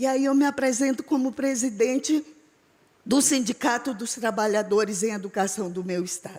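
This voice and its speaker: A woman at fairly high pitch, moderate pace and ordinary pitch variation. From Acre, Brazil. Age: 60s. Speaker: teacher and union leader, audience member. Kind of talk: audience question at seminar. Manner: animated.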